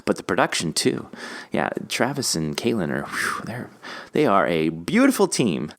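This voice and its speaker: A man's voice: sits low, huge pitch swings, normal speed, creaky. A man hosting a casual podcast interview, informal and enthusiastic, often searching for words. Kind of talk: casual chat.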